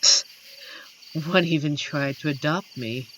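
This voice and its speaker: A woman voicing an amiable, playful female werewolf who guards a forest, in a scripted audio roleplay spoken to the listener with a teasing, chatty manner and dramatic pauses. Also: deep voice, a bit bright, a little hiss or hum, poor audio. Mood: cheerful, chatty.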